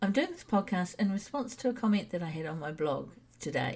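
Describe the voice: A put-on character voice of a woman, raspy and croaky, medium in pitch, with lively intonation at a fairly quick pace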